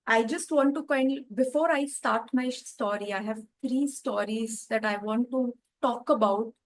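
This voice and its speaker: A woman's voice: a little high, low-quality recording. A woman in her thirties from Calcutta with an Indian English accent, giving an earnest, reflective storytelling speech at a club meeting. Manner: earnest, reflective, with frequent restarts. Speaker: educational speaker at a club meeting.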